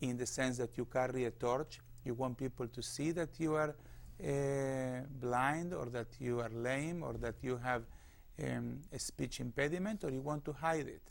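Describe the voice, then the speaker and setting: Using a strong non-native accent, a man speaks at a moderate pace and a medium pitch with ordinary pitch variation. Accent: foreign accent, strong. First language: not English. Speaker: rabbi and author. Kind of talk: interview conversation. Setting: TV studio.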